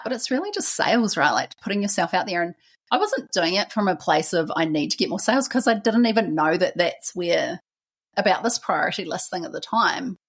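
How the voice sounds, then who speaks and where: On her podcast, a young woman from New Zealand shares her own story conversationally, with a New Zealand accent and frequent "like" and "right?". Her voice is fairly low in pitch with a breathy edge.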